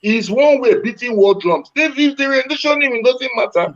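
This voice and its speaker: A man's voice: extremely high pitch, expressive, moderate pace. A man arguing insistently on a call, lecturing the others. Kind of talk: heated argument. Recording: dull lo-fi call audio.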